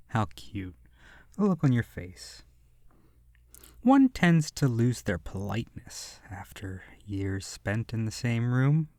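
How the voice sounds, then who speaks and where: A man's voice: mid-range voice, very animated, takes it slowly, a little mellow, dry recording. A man voicing a sadistic, bored immortal vampire in a horror roleplay audio, languid and condescending, with theatrical delivery that slips into whispers. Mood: mocking.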